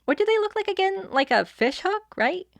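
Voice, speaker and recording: A woman's voice: very high voice, big pitch swings, brisk, vocal fry, no echo, full character voice. A woman playing a breezy, sardonic fairy in an audio comedy drama. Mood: exasperated. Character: cocky sarcastic female fairy wielding chaos magic. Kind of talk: audio fiction comedy acting.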